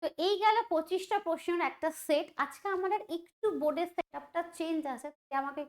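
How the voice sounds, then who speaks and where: A woman's voice: very high-pitched, fast. A woman teaching an online quiz lesson, chatty and thinking aloud, often asking the students questions. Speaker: exam prep teacher.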